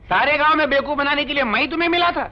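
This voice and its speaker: A scheming comic village accountant. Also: male voice, extremely high pitch, highs cut off. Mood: scornful. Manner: sarcastic, fast-talking, full of quips. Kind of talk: 1980s film comedy acting.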